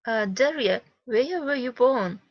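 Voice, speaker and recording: A woman from Kyrgyzstan, an English student, reading a practice dialogue haltingly over a video call. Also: a little high, lively intonation, no echo. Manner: halting, hesitant learner. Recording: dull dry video call audio.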